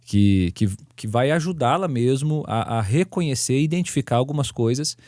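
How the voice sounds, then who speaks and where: Brief: Brazilian man, church podcast host, mellow mid voice, calm and reflective, dry close mic. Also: medium pitch, normal speed, no room sound. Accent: Brazilian Portuguese. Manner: calm, reflective, frequent soft backchannels. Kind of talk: casual podcast conversation.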